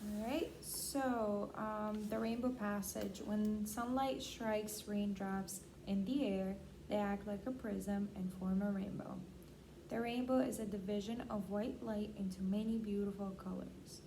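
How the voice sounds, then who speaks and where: A woman's voice: mid-range voice, steady tone, a little slow, noisy background. A woman acting as the client in an assessment, giving plain answers and reading aloud.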